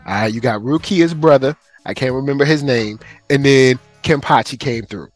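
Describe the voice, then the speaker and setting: A man co-hosting a podcast, telling stories in lively slang and laughing often. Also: mid-range voice, normal speed, no echo, faint music behind. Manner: animated, laughing, slangy storytelling. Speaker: podcast co-host. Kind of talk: casual chat.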